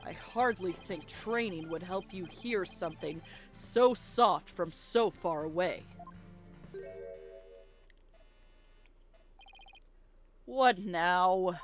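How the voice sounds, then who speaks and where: A woman's voice: fairly low pitch, slow, soft background music. A woman voicing a skeptical, dry-witted male defense lawyer in a courtroom game, questioning and wry. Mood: incredulous.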